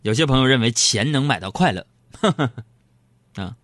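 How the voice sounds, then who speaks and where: A man's voice: mid-range voice, animated, normal speed, a bit bright, no room sound, clean studio sound. A man hosting a radio show, telling jokes and teasing his listeners, laughing often. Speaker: radio host. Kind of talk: comedic radio monologue.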